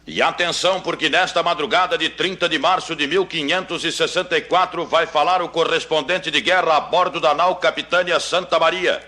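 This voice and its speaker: A man's voice: on the high side, steady tone, a little fast, hardly any pauses, sharp tone, slight background noise. A man announcing a scripted 1960s-style radio news bulletin in an urgent, formal way.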